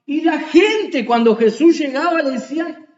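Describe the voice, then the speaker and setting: A man's voice: extremely high pitch, expressive, normal speed. A male pastor preaching an emphatic sermon in a church, asking rhetorical questions and crying out quoted pleas. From Uruguay. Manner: cries out quoted pleas loudly. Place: church sanctuary. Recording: echoey church, dull lo-fi sound.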